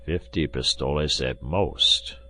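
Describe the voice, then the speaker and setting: A man's voice: extremely low pitch, slow pace, sharp tone, exaggerated voice. A man voicing a poor, fawning innkeeper who pleads and apologizes, read as a character in an audiobook. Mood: anxious. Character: poor fawning middle-aged male innkeeper.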